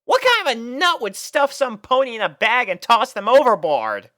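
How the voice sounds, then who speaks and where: A man doing a brash tomboy pegasus in falsetto. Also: very animated, normal speed, dry recording, studio quality, exaggerated voice. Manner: high strained falsetto, loud and brash. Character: brash tomboyish female pegasus pony, cocky.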